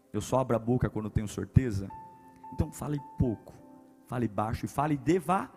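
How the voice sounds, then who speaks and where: A man with a Brazilian Portuguese accent, a pastor preaching a humorous sermon, swinging between loud punchy lines and hushed ones. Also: mid-range voice.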